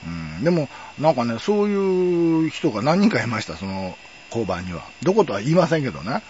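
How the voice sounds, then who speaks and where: A man's voice: medium pitch, brisk, dull audio, a little hiss or hum. A middle-aged man telling a personal story in a wry, chatty way. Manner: wry, chatty, lively intonation. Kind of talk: casual storytelling monologue.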